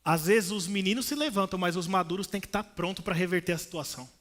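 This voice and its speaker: A man's voice: high voice, fast, fairly bright tone. A young man with a São Paulo Brazilian accent preaching a sermon in a church, telling stories and acting out the voices of people in them. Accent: Brazilian Portuguese, São Paulo. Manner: storytelling, acts out voices of people. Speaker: pastor. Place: church, indoors.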